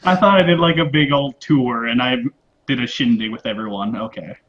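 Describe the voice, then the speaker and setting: A man's voice: mid-range voice, a little fast. Brief: laid-back guy at a game table, slightly sheepish, dull lo-fi recording. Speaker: player. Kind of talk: casual in-character play. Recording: dull lo-fi mic.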